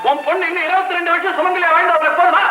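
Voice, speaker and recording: A boastful young groom in an old film, whining and sneering at everyone. His voice sits very high and runs fast. The sound is roomy, with loud music under it. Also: fairly even intonation. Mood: indignant. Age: 20s. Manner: whiny and sarcastic.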